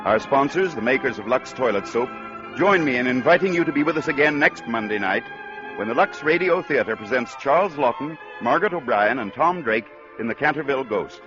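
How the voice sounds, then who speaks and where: A man's voice: medium pitch, expressive, brisk, over music. A man hosting a 1940s radio drama with genial, polished announcer patter. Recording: dull lo-fi 1940s radio broadcast.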